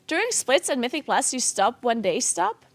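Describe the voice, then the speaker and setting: A woman with a high voice and a South Tyrolean accent, speaking English as a second language. She chats casually as a game streamer, in a giggly manner. The sound is dry, with very little room echo. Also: sing-song, moderate pace. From South Tyrol, Italy. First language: not English. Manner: giggly, laughs often while talking. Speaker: game streamer and esports caster. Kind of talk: casual livestream chat.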